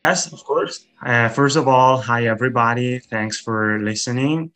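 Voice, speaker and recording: A man's voice: mid-range voice, normal speed, a bit bright. A man in his twenties, a native Italian speaker, answering interview questions in a friendly, hesitant way with many fillers. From Italy. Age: 20s. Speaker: guest, language teacher and YouTuber.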